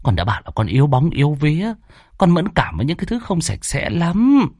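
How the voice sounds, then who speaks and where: A man's voice: fairly high pitch, huge pitch swings, fairly quick, mellow, breathy edge, no room sound, clean studio sound, voice pushed up, exaggerated voice. A man voicing a frightened homeowner in his thirties who whines and pleads. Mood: whiny. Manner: whining, pleading.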